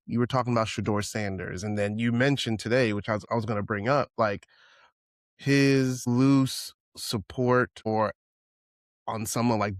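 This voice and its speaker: A man's voice: on the low side, dry recording. Man musing in a dry, close podcast chat. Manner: rambling, with many restarts and "right?". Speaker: podcast co-host. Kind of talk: casual conversational podcast chat.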